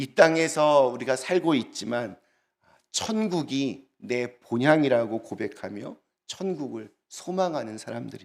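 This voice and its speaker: On a very clean recording with a silent background, a man speaks very slowly with lively intonation and big swings in loudness. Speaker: pastor. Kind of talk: sermon.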